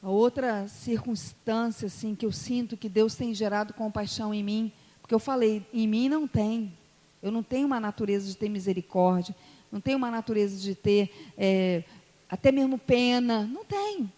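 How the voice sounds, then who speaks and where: A Brazilian woman pastor with an Espírito Santo accent of Brazilian Portuguese preaches a sermon and tells stories, moving from soft asides to loud emotional peaks. Her voice is medium-pitched at a moderate pace, with long hall reverb.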